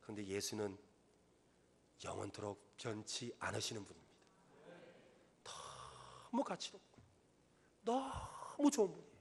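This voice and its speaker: A middle-aged man preaching a sermon as pastor in a church, earnest, rising to loud emphatic peaks. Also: medium pitch. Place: church sanctuary.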